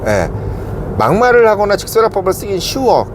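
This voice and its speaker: Man, middle-aged, fairly high voice, very animated pitch, talks in short bursts, keeps checking in with listeners, faint background hiss. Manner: slows down to stress key words. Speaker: commentator. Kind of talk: casual political commentary to subscribers.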